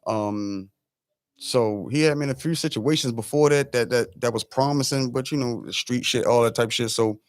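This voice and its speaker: A man's voice: mid-range voice, normal speed, dry recording, clean studio sound. A man in his forties talking loosely and laid-back in a casual podcast chat.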